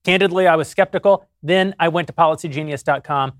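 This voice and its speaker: Joking, somewhat high-voiced man. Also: fast, no echo, studio quality. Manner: joking, deadpan, self-deprecating. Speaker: show host reading an ad. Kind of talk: comic ad read.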